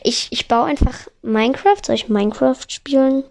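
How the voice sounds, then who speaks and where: A woman on a headset mic giving excitable let's play commentary, narrating every move and swearing when she fails. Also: high-pitched, moderate pace, vocal fry. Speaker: gamer.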